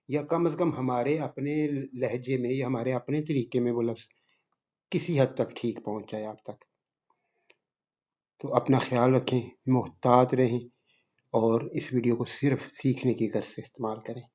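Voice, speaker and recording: A man's voice: medium pitch, fairly even intonation, dark tone. A man from Pakistan, a teacher, giving earnest and modest advice to his students at the end of a lesson. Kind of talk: lesson closing remarks to students. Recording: slightly muffled lo-fi recording.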